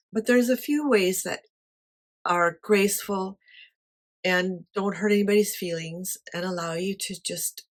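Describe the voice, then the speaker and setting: A woman with a quiet voice talking casually to camera about her life, light-hearted and honest in manner. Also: mid-range voice. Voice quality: quiet voice that does not carry. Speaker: artist sharing life advice.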